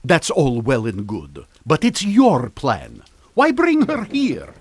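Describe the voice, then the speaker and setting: A man's voice: medium pitch, wildly swooping pitch, takes it slowly, a little mellow, breathy edge, no echo, exaggerated voice. A man playing an older mad scientist, droll and exasperated, lecturing with an air of superiority in a comedic radio drama. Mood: droll, unimpressed. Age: middle-aged. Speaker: voice actor. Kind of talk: comedic old-time radio drama acting.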